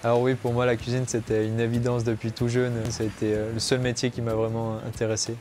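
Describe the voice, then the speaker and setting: A man's medium-pitched, monotone, flat delivery at a very fast pace with hardly any pauses. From French-speaking Switzerland, Gruyère. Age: 20s. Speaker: young chef, cooking competition candidate. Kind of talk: interview monologue, competition portrait. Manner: hesitant with many fillers.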